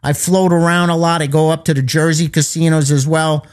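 A man hosting a sports betting radio show, rattling off lines and numbers as he pitches his picks. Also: flat delivery, a little fast. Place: East Coast of the United States.

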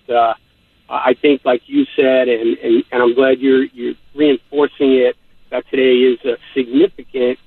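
An older man with a New York accent calling in to a radio talk show, speaking haltingly with many fillers. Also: medium pitch, breathy edge, no room sound. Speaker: caller. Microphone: telephone. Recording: phone line.

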